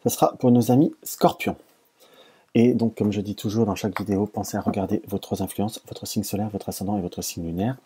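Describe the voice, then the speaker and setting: Hesitant husky man reading tarot. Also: lowish voice, fairly even intonation, a little fast, warm tone. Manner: hesitant, stammers and restarts often. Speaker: tarot reader. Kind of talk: casual tarot reading to camera.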